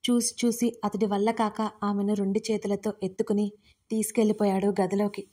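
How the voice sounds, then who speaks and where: Give me a woman reading a story aloud, steady and flat, with a warm, dark voice. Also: mid-range voice, a little fast, breathy edge. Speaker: narrator. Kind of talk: audiobook story narration.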